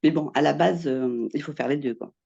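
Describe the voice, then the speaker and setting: A woman's voice: low voice, a little fast, vocal fry, mellow, slightly rough, lo-fi sound. A woman in her fifties, from Portugal, giving a casual testimonial about her coaching. She talks hesitantly, with many restarts, and laughs easily. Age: 50s.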